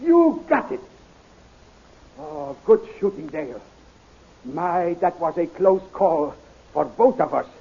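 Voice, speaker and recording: Fatherly scientist, high husky voice, formal careful diction, 1930s radio serial, muffled hissy recording. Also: big pitch swings, slow pace, long pauses, mellow, full character voice. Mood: excited, urgent.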